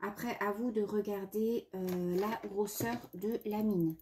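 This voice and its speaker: Sniffly female vlogger, unhurried chatty delivery with lots of ums, mellow tone, faint hiss behind. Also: medium pitch, steady tone. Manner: chatty with many hesitations. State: sniffly runny nose. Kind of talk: casual chat.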